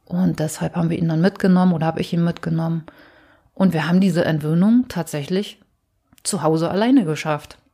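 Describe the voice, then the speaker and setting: At a fairly quick pace, a woman with a fairly low pitch speaks in a somewhat breathy voice with ordinary pitch variation. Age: 40s. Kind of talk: interview.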